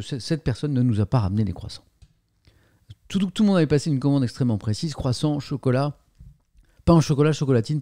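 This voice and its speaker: A middle-aged man hosts a casual livestream, joking around and thanking viewers as he goes. His voice is mellow and warm, sits at an ordinary pitch, and sounds dry and close to the mic. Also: vocal fry, no room sound. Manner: chatty, jokey, thanks subscribers, stumbles and repeats words. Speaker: livestream host. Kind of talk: casual livestream chat reading viewer messages.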